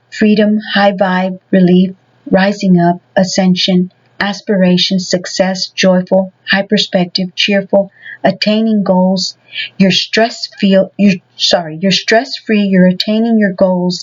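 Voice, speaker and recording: A woman's voice: on the low side, a little mellow, highs cut off. Rambling woman giving a tarot reading. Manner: rambling, many "you know" fillers. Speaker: tarot reader. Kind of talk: casual tarot reading to viewers.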